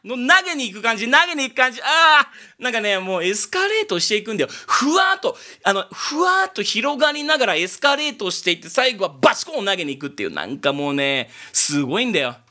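A man who learned Japanese as a second language, chatting fast through an anime reaction. His voice sits high and very bright, and it swings wildly in pitch as he gets excited and shouts his approval. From outside Japan. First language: not Japanese. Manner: excitable, bursts into loud exclamations. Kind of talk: casual reaction commentary.

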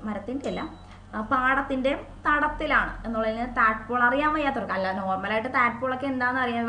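Woman, exam-prep teacher; higher voice, chatty, repeats key terms, roomy echo. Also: bright, forceful tone. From Kerala. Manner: chatty, asks questions and answers them herself; repeats key words slowly for memory. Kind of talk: online exam-prep lesson.

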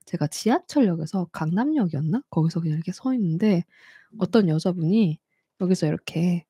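A young woman chats on a live stream, her pitch swinging widely as she laughs and acts out the people in her stories. The voice is mellow and a little husky. It is recorded close and dry. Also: a little fast, dry recording. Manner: lively, laughs often, acts out quoted people. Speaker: YouTube host. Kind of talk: casual live-stream storytelling.

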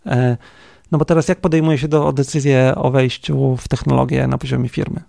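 Mężczyzna, dyrektor techniczny firmy, jako gość rozmowy mówi swobodnie, z wieloma wtrąceniami i pytaniami „tak?”, szczerze i z przekąsem. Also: male voice, medium pitch, flat delivery, fairly quick, vocal fry, dark tone, no echo, studio quality. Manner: thinks aloud with many fillers and tag questions. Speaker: guest, company CTO. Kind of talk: casual interview conversation.

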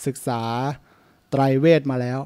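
A monk playing a bluffing court priest. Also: male voice, measured pace, dark tone, lightly acted. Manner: reassuring, improvised bluster.

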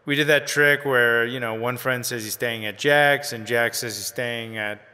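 Young male addict, played by an actor, rambling and informal, medium pitch, reverberant room, radio drama. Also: fairly even intonation, moderate pace, sharp tone, close to an everyday voice. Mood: hesitant, casual. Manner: informal, hesitant, slangy storytelling. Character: rambling young man, addict sharing sheepishly, casual slangy. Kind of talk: radio drama acting, conversational monologue.

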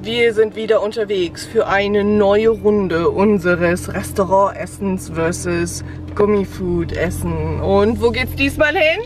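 A woman's voice: medium pitch, slow pace, music in the background. A woman in her thirties chatting casually to the camera and her child as a family vlog host.

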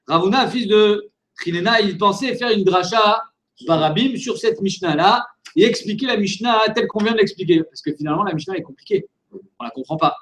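A man teaching a daily Talmud class in French, explaining quickly and weaving in Hebrew and Aramaic terms. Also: sits high, fairly bright tone.

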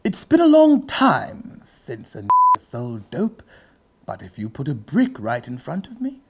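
Man playing a pompous, wildly swooping gentleman orator. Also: medium pitch, huge pitch swings, a little hiss or hum. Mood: theatrical, savoring. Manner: pompous, theatrical, drawn-out pauses. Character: pompous aristocratic gentleman host, reciting rap lyrics theatrically. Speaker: comedy show host. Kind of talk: mock-literary dramatic reading. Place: book-lined indoor study set, seated.

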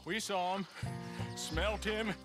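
A man's voice: high voice, steady tone, takes it slowly, over loud music. A man playing a wry stranger in an Old West video game. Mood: wry, amused. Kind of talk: video game dramatic acting.

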